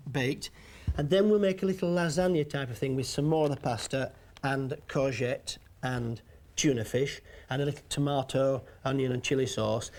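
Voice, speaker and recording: A man's voice: mid-range voice, darkish tone. A man cooking on a TV show while he has a cold, joking and rambling through his explanations in a studio kitchen. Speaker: TV chef.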